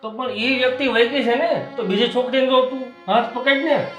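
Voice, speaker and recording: A man playing a concerned elder brother who speaks gently. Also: very high voice, normal speed, soft background music. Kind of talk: family drama acting. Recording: roomy echo.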